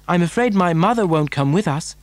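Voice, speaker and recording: A man's voice: sits high, animated, a little fast, no echo, voice pushed up. A man voicing an eager, earnest, polite little boy in a storybook, with breathless emphasis.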